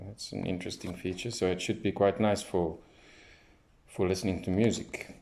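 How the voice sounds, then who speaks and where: A man with a low, creaky voice talks through a product at a slow pace. He sounds like a hobbyist reviewer doing a casual first look, unscripted and thinking aloud as he reads off features. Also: darkish tone. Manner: unscripted, thinking aloud while reading off labels. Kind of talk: casual unboxing commentary.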